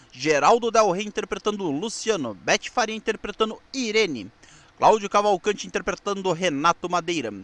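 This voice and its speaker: High-pitched Brazilian man, animated narration. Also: no echo. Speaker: presenter of a TV history programme. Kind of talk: informational narration from notes with casual asides.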